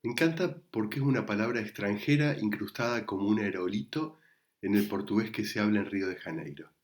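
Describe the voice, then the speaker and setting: A man with an Argentine Spanish accent, a psychoanalyst giving a prepared talk recorded remotely in a measured, reflective way. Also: fairly low pitch. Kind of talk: prepared lecture read to camera. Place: recorded remotely, not in the event hall.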